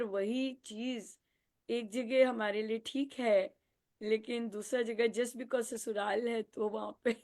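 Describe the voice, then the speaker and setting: A woman leading a devotional group talk, animated, acting out quotes and laughing often. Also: a little high, creaky. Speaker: spiritual group facilitator.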